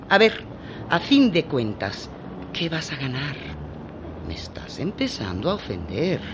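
A vain middle-aged housewife in a radio drama, speaking. Her pitch swings widely, from sugary evasion up to sharp peaks. She talks down to people, is haughty and condescending, and slips into threats. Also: slight background noise. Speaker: mistress of the house.

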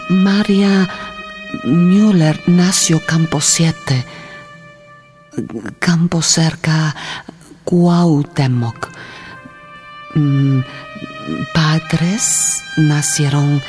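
Low, halting Mennonite farm wife. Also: female voice, a little mellow, exaggerated voice. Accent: German. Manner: halting, broken phrasing with dropped articles and hums. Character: earnest Mennonite farm wife and mother addressing listeners. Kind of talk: radio drama monologue.

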